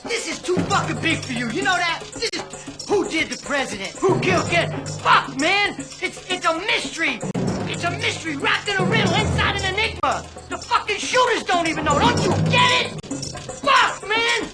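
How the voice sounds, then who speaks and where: An actor playing a paranoid, disgraced middle-aged former priest and spy, profane and rambling, in film audio with music. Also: male voice, sits high, animated, normal speed. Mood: hysterical. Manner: profane, rambling, panicky outbursts. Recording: film audio with loud score.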